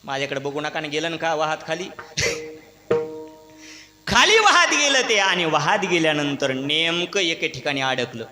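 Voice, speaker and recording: A man's voice: fairly high pitch, normal speed, pauses often, soft background music. A man preaching a devotional kirtan sermon, telling a story with acted voices and questions to the audience. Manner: animated storyteller, acts out characters, questions the audience. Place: large echoey hall at a religious gathering. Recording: echoey hall with long reverb.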